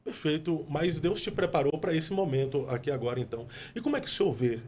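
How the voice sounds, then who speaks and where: A man's voice: on the high side, animated, fast, darkish tone. A man with a Brazilian Portuguese accent, an interviewer asking questions in a polite, formal, deferential way.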